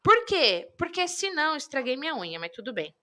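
A woman coach teaching public speaking in a live online lesson, lively and talking straight to viewers. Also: sits high, fairly quick. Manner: lively, addresses viewers directly.

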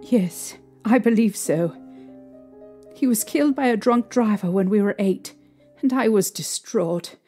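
A young woman playing a distraught, haunted mother recounting her ordeal emotionally and haltingly in an audio drama. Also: mid-range voice, warm tone, soft background music, natural voice. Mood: grave, sad.

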